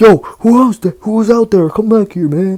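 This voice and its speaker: With a put-on character voice pitched high, a man talks at a moderate pace. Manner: aggressive, confronting.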